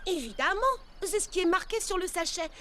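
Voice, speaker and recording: A woman's voice: very high-pitched, expressive, a little fast, bright, forceful tone, slight background noise, heavily acted. A woman playing a polite but stubbornly certain gardener in a French-dubbed children's cartoon. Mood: puzzled, sure. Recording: faint music behind the voice.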